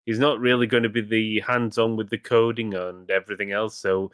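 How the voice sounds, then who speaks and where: A man's voice: on the low side, flat delivery, brisk, a bit bright, smooth, no room sound, clean studio sound. A man co-hosting a gaming podcast, talking casually in rambling, self-correcting sentences and swearing now and then. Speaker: podcast co-host.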